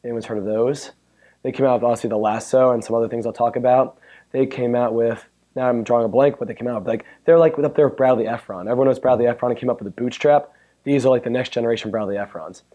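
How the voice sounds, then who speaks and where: A man with a hoarse, worn-out voice giving a chatty, joking technical talk at a conference and bantering with the audience. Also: mid-range voice, steady tone, fast, dark tone. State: hoarse, losing his voice. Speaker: conference speaker. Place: conference room. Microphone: handheld or stand mic.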